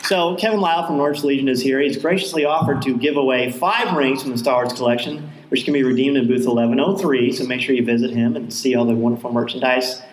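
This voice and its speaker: A man's voice: medium pitch, fast talker, hardly any pauses. A man hosting a live podcast on a convention stage, emceeing a raffle in an upbeat way. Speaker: podcast host. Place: large convention hall stage with live audience. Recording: echoey convention hall, loud background noise.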